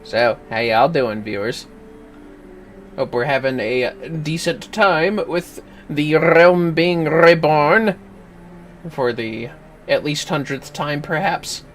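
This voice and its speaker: Speaking slowly in a slightly high voice, a man rambles and swears while talking to himself and his viewers during a gaming livestream. The chat is casual. Music is clearly audible in the background.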